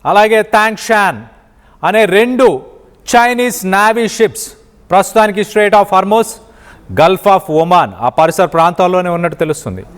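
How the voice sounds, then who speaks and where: A man's voice: high voice, moderate pace, clear, resonant tone, in a large hall. A man from India presents news analysis emphatically, repeating phrases for stress.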